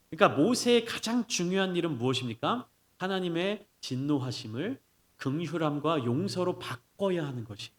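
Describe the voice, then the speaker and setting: A man preaching a sermon as pastor, explaining the passage with rhetorical questions he answers himself. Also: fairly high pitch. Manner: acts out scolding quotes in lively bursts.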